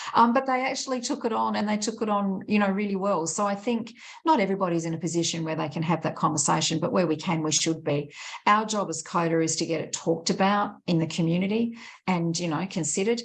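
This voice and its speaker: A woman with an Australian accent, medium in pitch, very fast and lively in intonation. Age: 50s. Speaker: aged care advocacy leader. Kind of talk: panel interview.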